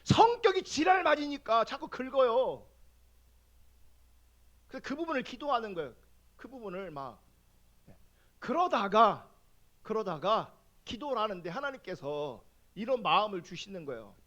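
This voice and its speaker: A man preaching in a strikingly high voice that swings widely in pitch. He tells his own story from the pulpit and acts out his prayers in a lively way. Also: moderate pace, long pauses. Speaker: pastor. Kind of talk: sermon with personal testimony.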